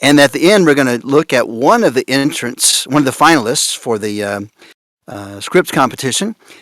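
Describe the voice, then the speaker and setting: A man with a normal speaking voice talks at a moderate pace with lively intonation, and the sound is dry and close with no echo. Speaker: voice actor. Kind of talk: conference panel talk.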